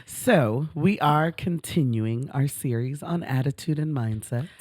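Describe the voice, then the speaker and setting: A woman's voice: sits low, lively intonation, measured pace, a little mellow, dry recording, studio quality. A middle-aged woman co-hosting a talk show, chatting casually in an emphatic, effusive way and drawing out words for stress. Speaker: podcast co-host. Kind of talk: casual chat.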